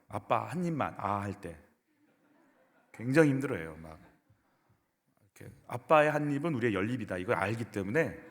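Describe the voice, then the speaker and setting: Lively, expressive Korean pastor preaching in a reverberant church. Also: male voice, mid-range voice. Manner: emphatic preaching with rhetorical questions to the congregation. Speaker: senior pastor. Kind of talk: sermon. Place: church sanctuary. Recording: echoey church hall.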